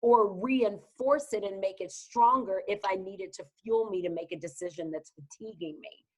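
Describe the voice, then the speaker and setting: A woman from Texas with a Southern accent speaks as a podcast guest. Her voice sits at a middling pitch, and she talks in an energetic, emphatic, motivational way. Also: normal speed. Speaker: guest business advisor. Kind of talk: podcast interview.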